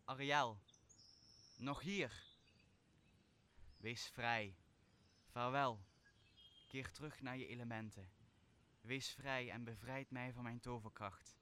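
A man playing a solemn, commanding exiled magician in a Shakespearean radio play, speaking in a measured way. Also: mid-range voice, bright, forceful tone, slight background noise. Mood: solemn farewell. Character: commanding exiled magician, stern yet forgiving master. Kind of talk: stage-like Shakespearean radio drama.

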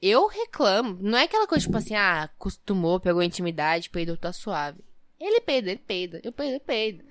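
A woman's voice: medium pitch, very animated, fairly quick, slight background noise. A young Brazilian woman co-hosting a casual podcast chat, telling stories in a playful, exaggerated way. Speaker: podcast co-host.

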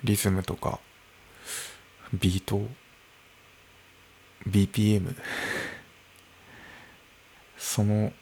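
A man in his early thirties talking alone into a microphone in his room, slow and musing, with soft laughs. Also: on the low side, flat delivery, slight background noise. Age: early 30s. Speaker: podcast host. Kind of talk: unscripted solo podcast talk. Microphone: podcast microphone.

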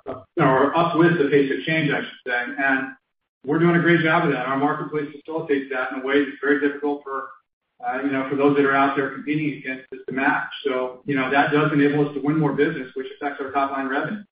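A male company executive answers on an earnings call in assured, wordy business language. His mid-pitched voice sounds dull and set back from the mic, in a roomy space. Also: recorded from a distance. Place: conference call from a room.

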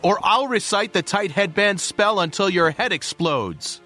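Storybook holy master, performed by a woman: pious, stern man, husky voice, slow commanding delivery. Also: mid-range voice, lively intonation, a bit bright, faint music behind. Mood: stern, final. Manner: solemn, commanding. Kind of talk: storybook character voice.

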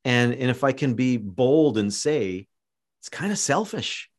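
Rambling Canadian podcast host, lots of restarts. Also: male voice, mid-range voice, animated, unhurried. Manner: rambling, many restarts and fillers, encouraging. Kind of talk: casual interview chat.

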